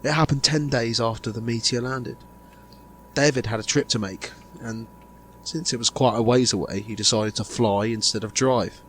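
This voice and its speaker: A man playing a grave insider revealing a sinister conspiracy in an amateur audio drama, speaking deliberately with dramatic pauses. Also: mid-range voice, steady tone, fairly bright tone, slight background noise, close to an everyday voice. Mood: grave, bewildered.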